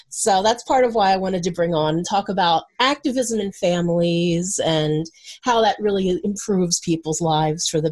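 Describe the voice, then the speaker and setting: A woman hosting an interview podcast, speaking with a scratchy, hoarse voice from a cold and an upbeat, enthusiastic manner. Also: fairly low pitch, a little mellow, no room sound. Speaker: podcast host. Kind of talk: conversational interview.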